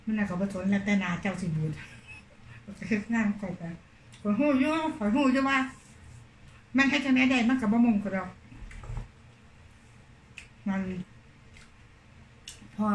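Isan woman vlogging, just chatting away telling a story, mid pitch, kinda echoey room. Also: a little hiss or hum. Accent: Isan (Northeastern Thai). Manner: chatty, animated storytelling with laughs. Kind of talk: casual storytelling chat.

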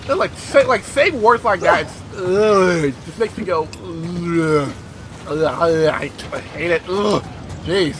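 Excitable young man with a lisp. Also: sits high, slow pace, slight background noise. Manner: excitable, swears constantly, self-deprecating. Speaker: gaming video host. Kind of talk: casual let's play commentary.

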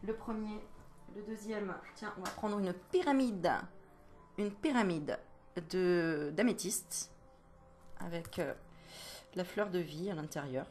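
A chatty woman, a medium, giving a casual oracle card reading straight to the viewer, laughing often and reading the card messages aloud slowly. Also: fairly low pitch, darkish tone, soft background music.

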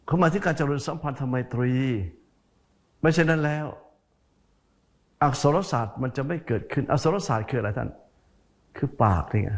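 Speaking at a moderate pace with frequent pauses, this monk has a medium-pitched, expressive voice. He delivers a folksy Buddhist sermon straight to his listeners, calling them "sir" and repeating words to stress his points.

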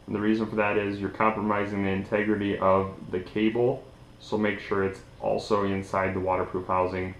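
A man's voice: on the low side, level tone, a little fast, slight background noise. A young man giving a casual, informal hands-on tutorial, sitting at a table indoors. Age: young adult. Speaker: DIY tutorial host. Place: small indoor room at a table. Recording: echoey room.

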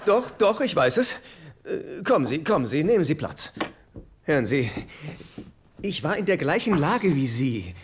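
Flustered, high-pitched sitcom loser, animated. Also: male voice, normal speed, a little hiss or hum. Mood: flustered, eager. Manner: flustered, stammering, sarcastic. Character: nervous, broke, nosy middle-aged man, sitcom loser. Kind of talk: German-dubbed sitcom acting.

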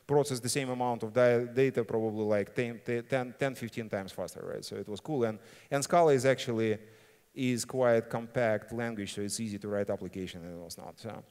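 A man's voice: medium pitch, brisk, darkish tone, clean tone. A middle-aged man, a non-native English speaker, giving an informal, blunt conference talk and often checking in with "right?". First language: not English. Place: on stage in a large conference hall. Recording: reverberant hall sound system.

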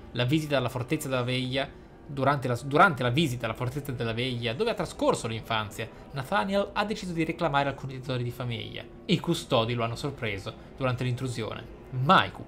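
A man's voice: mid-range voice, fairly bright tone. A man, a gaming host reading in-game text aloud expressively, with casual, playful asides.

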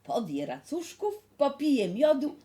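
Casting: woman playing a caring fairy-tale mother, urging, raised and lively. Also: sits high, slow, voice pushed up, heavily acted. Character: caring mother sending her daughter off.

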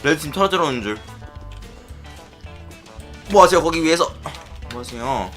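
A man giving excitable play-by-play commentary on his Minecraft minigames, often chanting and shouting as he plays. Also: a little high, normal speed, faint music behind. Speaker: gaming YouTuber.

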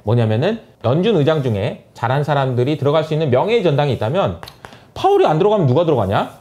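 Casual: guy explaining the market like a story, warm low-toned voice, voice jumps around a lot. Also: fast talker. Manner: animated storytelling, acting out quotes. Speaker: investment lecturer.

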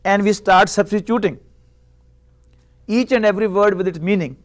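A middle-aged man whose native tongue is Urdu explains language structure in a steady, patient teaching voice that sits noticeably high. He often pauses to pose rhetorical questions to his students. He is recorded close on a lapel mic in a small classroom. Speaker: Arabic teacher. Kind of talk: classroom lecture.

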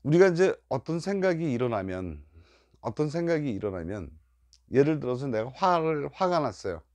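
A man's voice: mid-range voice, very animated, moderate pace, no echo. An older man giving a Buddhist dharma lecture, repeating key phrases and acting out worried inner voices. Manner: emphatic, rising and falling loudness.

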